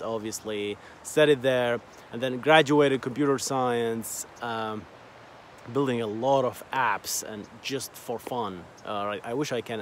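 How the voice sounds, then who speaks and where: A man's voice: medium pitch, slight background noise. A man in his thirties whose first language is Arabic, telling his story in a casual, rambling vlog with many fillers and repeated words, filmed on a phone at arm's length outdoors by a lake. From Bahrain. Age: 30s. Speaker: vlogger. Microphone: phone held at arm's length.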